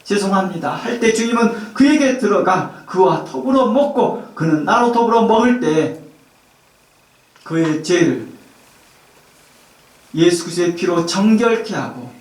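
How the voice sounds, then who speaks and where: A male pastor giving an earnest sermon, reading scripture slowly and pleading warmly in the Lord's voice. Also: high-pitched, lively intonation. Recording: echoey church from far off.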